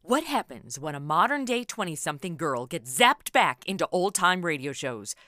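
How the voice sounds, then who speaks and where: A woman's voice: lowish voice, big pitch swings, normal speed, pushed and bright, dry recording. A woman reading a scripted introduction as the writer and producer of an audio show.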